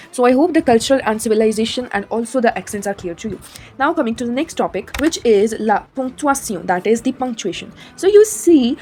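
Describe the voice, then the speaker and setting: A woman's voice: on the high side, a little mellow. A young woman teaching a French lesson, explaining step by step and asking how so.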